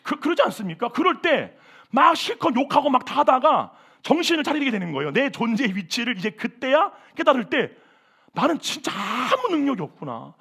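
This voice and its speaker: A male pastor preaches a sermon at a church service, animated and exclamatory, with self-mocking asides. His voice sits very high for a man and has a gravelly, raspy edge. His pitch rises and falls constantly as he speaks. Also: fairly quick. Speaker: senior pastor.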